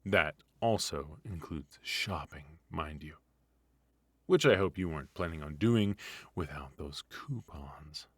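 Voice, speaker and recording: Casting: male actor as retired supervillain husband for comedy ASMR, very low, slow drawl, teasing and theatrical. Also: animated, fairly bright tone, breathy edge, no echo, exaggerated voice. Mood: mock-sinister, teasing. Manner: theatrical, drawling, mock-sinister.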